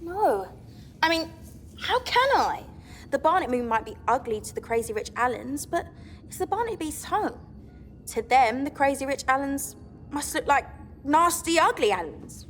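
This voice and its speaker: A woman's voice: high voice, big pitch swings, moderate pace, a little hiss or hum. A woman voicing a vain, dramatic young female pop star captain in a cartoon, bossy and whiny, with music behind.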